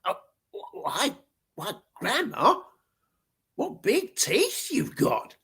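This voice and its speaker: A woman's voice: mid-range voice, wildly swooping pitch, drawn-out words, fairly bright tone, slightly rough, voice pushed up, full character voice. A woman voicing a rude, bossy young girl in a green hood who snarls and whines nastily. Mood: surprised. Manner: snarling, whining, nasty.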